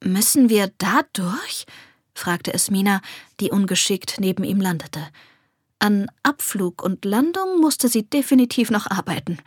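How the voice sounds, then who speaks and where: A woman narrating a children's fantasy story softly and expressively, often dropping to a whisper. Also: mid-range voice, expressive, normal speed, breathy edge, dry recording, studio quality. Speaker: audiobook narrator.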